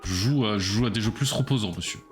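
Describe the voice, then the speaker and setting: A man's voice: on the low side, quick pace, soft background music. A man casually commenting on his own gameplay during a live stream, chatty and self-mocking as he talks to his chat.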